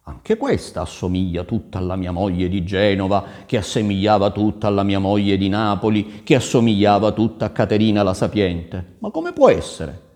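A man's voice: lowish voice, lively intonation, moderate pace, few pauses, a little mellow, big-room sound, lightly acted. A man voicing a young king's son, smitten and naive, with courtly, earnest speech. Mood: bewildered.

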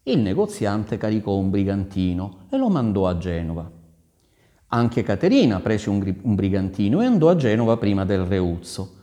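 A man reads a folk tale aloud with a lowish, mellow voice. His delivery is animated and expressive, and his pitch swings very widely, with dramatic pauses. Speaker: storyteller.

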